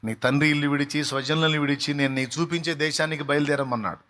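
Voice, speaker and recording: A man preaching a sermon as pastor, swinging between loud fervent exhortation and quiet pleading. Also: a little high, steady tone, fast talker. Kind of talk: Telugu sermon with sung opening.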